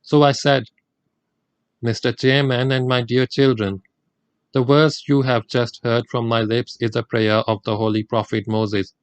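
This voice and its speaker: A man narrating a religious audiobook in a measured, formal reading style. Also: mid-range voice, level tone, clean tone, dry recording, poor audio.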